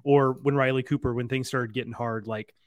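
A man's voice: medium pitch, steady tone, fairly quick, no room sound. A man talks baseball on a podcast in a mid-range voice. He doubles his words, saying "really, really," to drive a point home. The recording is dry and close. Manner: repetitive, doubles words for emphasis. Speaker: college baseball podcast panelist. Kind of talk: casual sports podcast talk.

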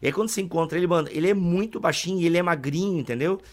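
Quick slangy brazilian guy cohosting a podcast, rambling chat, keeps saying mano. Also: high voice. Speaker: podcast co-host.

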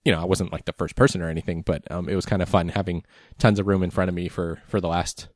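A man's voice: sits low, flat delivery, quick pace, no room sound, studio quality. A man losing his voice a little, chatting casually and rambling a bit as a podcast co-host. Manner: rambling, laid-back, lots of ums. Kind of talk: casual chat recapping a race.

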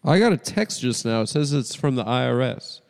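A man's voice: mid-range voice, big pitch swings, a little fast, gravelly, a little mellow. A man chatting casually as a podcast co-host, in a reverberant recording. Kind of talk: casual chat. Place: podcast studio. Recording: reverberant room sound.

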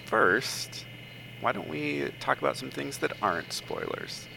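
A man's voice: medium pitch, very animated, unhurried, gravelly, sharp tone, slight background noise, low-quality recording. A man hosting a book podcast with playful, stumbling banter. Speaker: podcast host. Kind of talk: casual book podcast chat.

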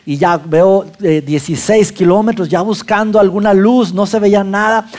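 A man with a Mexican accent telling a lively personal anecdote to an audience, acting out his own lines as he goes. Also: sits high, normal speed.

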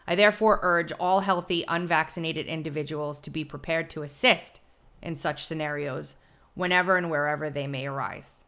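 A woman's voice: low-pitched, normal speed, a bit bright. A woman co-hosting a casual live talk show, reading aloud and explaining in an informal way. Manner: informal, explanatory, laughs easily.

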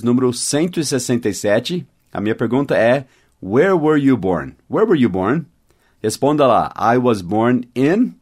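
A man's voice: medium pitch, darkish tone. Man teaching English in Portuguese. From United States. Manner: patient, slow spelling and repetition. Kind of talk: online English lesson in Portuguese.

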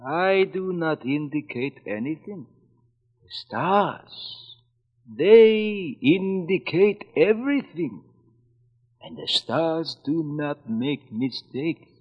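An actor playing a shifty foreign handyman turned blackmailer, speaking halting broken English, in 1940s radio acting on an old radio show recording. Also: fairly high pitch, very animated, exaggerated voice. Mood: sly. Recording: dull old broadcast with long reverb.

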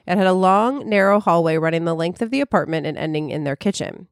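A woman's voice: lowish voice, fast talker, no room sound, studio quality. A woman co-hosting a podcast, chatting casually and reading a listener's story aloud with frequent restarts. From Chicago. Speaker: podcast co-host.

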